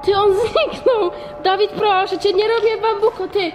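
A woman's voice: very high voice, steady tone, moderate pace, loud music behind the voice. A young woman in a spooky adventure vlog, pleading and whining in exasperation. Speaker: camera operator and co-host of a video series. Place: abandoned concrete ruins.

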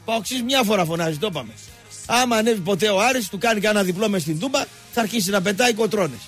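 A man with a high voice runs a radio sports program, mocking things and drifting off-topic while he rambles lively stories about football. Soft music plays in the background of the radio studio recording.

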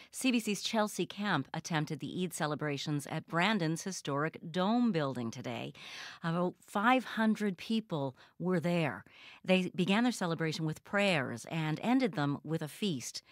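A woman hosting a radio news show from a studio, reading weather and news in a brisk, friendly way. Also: on the low side, no echo. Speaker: radio host. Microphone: studio mic with headphones.

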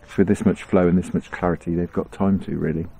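Gravelly, husky, low and fast, this middle-aged man from England narrates his riverbank fishing casually as an angling vlogger. He's relaxed and talkative, chuckling frequently as he talks to himself. Faint noise runs through the outdoor sound.

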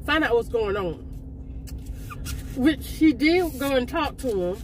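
Woman, talking with straw in mouth, casual car vlog, fairly high voice, clear traffic noise. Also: expressive, takes it slowly. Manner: chatty, opinionated, addresses viewers directly. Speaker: car mukbang vlogger. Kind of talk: casual chat to viewers while eating. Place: parked car by a street.

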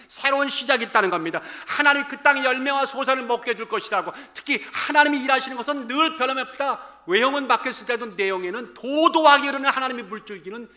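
A man in his fifties preaching a sermon to a church congregation, animated, swinging between loud calls and hushed asides. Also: very high voice. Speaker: pastor. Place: church sanctuary.

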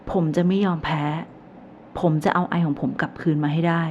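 A possessive young man, as a woman narrator puts him on, pressing his claim in a low, mellow, insistent tone. The recording is a little dull, with a faint hiss behind it. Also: fairly even intonation, fairly quick, lightly acted.

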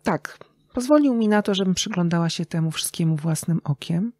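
A woman's voice: lowish voice, lively intonation, moderate pace, a little mellow, dry recording. A middle-aged woman speaking as an interview guest, telling anecdotes in a conversational way. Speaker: interview guest, radio journalist and writer.

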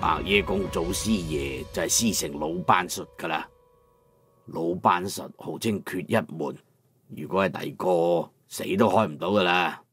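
An actor playing a proud, emotional old master locksmith in an emphatic Cantonese audiobook drama. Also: male voice, deep voice, measured pace, fairly bright tone, slightly rough, faint music behind, heavily acted. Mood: confident. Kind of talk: dramatized audiobook character acting.

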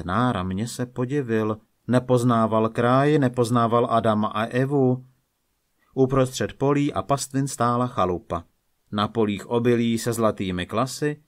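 A man calmly narrating old folk legends as a storyteller, reading at a measured pace. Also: fairly low pitch.

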